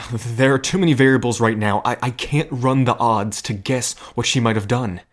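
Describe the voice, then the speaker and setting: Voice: medium pitch, steady tone, moderate pace, close to an everyday voice. A performer acting a protective, stubborn friend in an audio drama, speaking firmly with dry sarcasm and care. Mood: tense, worried. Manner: firm, sarcastic, caring.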